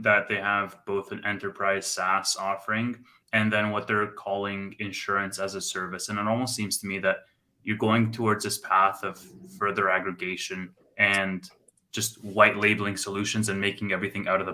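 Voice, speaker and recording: Man, late 20s, podcast co-host, low forceful voice, articulate and inquisitive. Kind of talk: casual podcast discussion.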